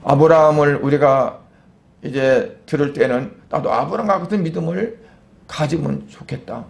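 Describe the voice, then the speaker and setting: Gravelly-voiced man preaching a sermon. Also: fairly high pitch, normal speed. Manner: conversational preaching with rhetorical questions and many fillers. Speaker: pastor. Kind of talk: Sunday sermon.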